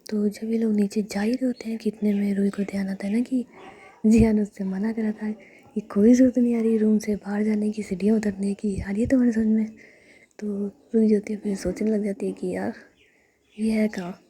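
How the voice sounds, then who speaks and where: A woman narrates a story in a continuous whisper. Her voice is dark and very breathy. It stays within a narrow, flat pitch. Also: brisk.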